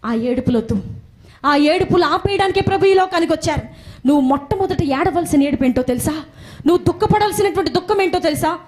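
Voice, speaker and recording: A woman's voice: very high-pitched, expressive, fast talker, darkish tone. A woman preaching a sermon emphatically, repeating phrases for stress.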